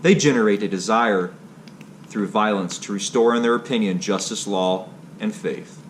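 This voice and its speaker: A man's voice: fairly low pitch, moderate pace, slight background noise. A man narrating a history read aloud from a text, in a stilted way that is unsure on hard words.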